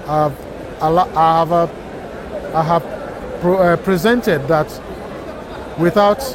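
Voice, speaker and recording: A man who took part in summit sessions, speaking haltingly with frequent restarts in a street interview. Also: high voice. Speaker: summit participant. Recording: outdoor noise.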